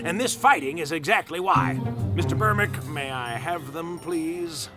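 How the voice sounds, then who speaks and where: An actor playing a strict male vice principal in an audio drama, speaking in a gruff, commanding way. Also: on the high side, measured pace, natural voice. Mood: stern. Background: music.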